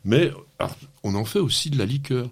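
A man's voice: mid-range voice, expressive, a little fast, breathy edge. A man hosting a radio gardening show, chatting enthusiastically and teasing his co-host with frequent laughs. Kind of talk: lively on-air gardening chat.

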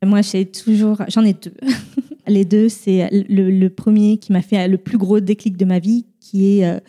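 Mellow-voiced young French mother, halting. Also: medium pitch, little pitch movement. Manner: halting, many fillers, laughs easily. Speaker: podcast guest. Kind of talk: casual round-table chat.

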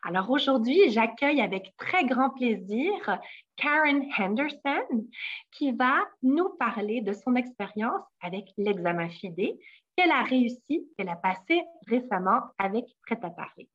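A woman's voice: on the high side, animated, unhurried, lo-fi sound. A woman hosting an interview, welcoming and encouraging her guest. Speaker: host, company head.

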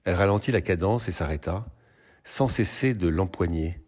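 A man reading a literary novel aloud in a low, intimate tone. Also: normal speed, a little mellow. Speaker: reader.

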